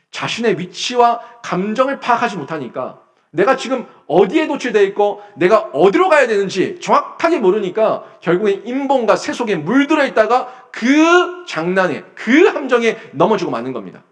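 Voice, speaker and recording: A male pastor delivers a Sunday sermon in a church sanctuary. His fairly high voice moves through a wide, lively pitch range. He keeps a forceful, emphatic delivery, alternating loud peaks with low, quiet lines. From South Korea. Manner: emphatic preaching, rising to loud bursts then dropping low.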